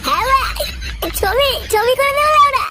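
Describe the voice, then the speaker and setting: A performer voicing Futo, a foul-mouthed, brash young man in a cartoon who swears and shouts constantly. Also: very high-pitched, a little fast, loud music behind the voice. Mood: brash taunting.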